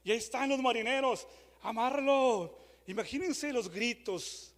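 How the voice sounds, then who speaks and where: A man preaching a dramatic sermon, moving from loud re-enacted shouts to hushed questions. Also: very high voice, normal speed. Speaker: pastor. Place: church hall. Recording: long church hall reverb.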